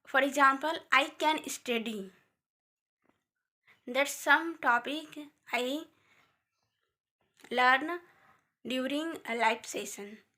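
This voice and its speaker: Speaking at a very slow pace with long, frequent pauses, a woman with an Indian accent uses a raised, projected voice, a high pitch and a bright, sharp tone on a very clean recording with a silent background. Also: ordinary pitch variation. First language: Hindi. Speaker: English learner vlogger. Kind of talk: casual vlog. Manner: halting.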